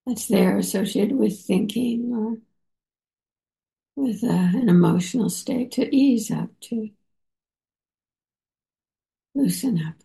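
A woman meditation teacher leading a guided meditation, unhurried and halting, with many soft pauses and fillers. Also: medium pitch, creaky. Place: meditation center.

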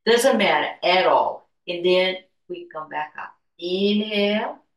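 A woman teaching guided meditation and gentle movement in a soothing, unhurried, spiritual healer-like manner. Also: lowish voice. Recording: echoey room, distant from mic.

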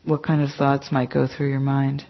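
A woman's voice: a bass voice, flat delivery, normal speed. A woman teacher giving a conversational dharma talk to a class, emphatic and chatty with many "you know" asides. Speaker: meditation teacher. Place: meditation center hall. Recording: dull lo-fi talk recording.

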